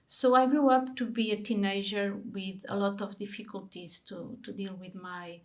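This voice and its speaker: A woman's voice: mid-range voice, fairly even intonation, moderate pace. A Portuguese woman speaking English with a Portuguese accent as an interview guest, telling her life story with many ums and restarts.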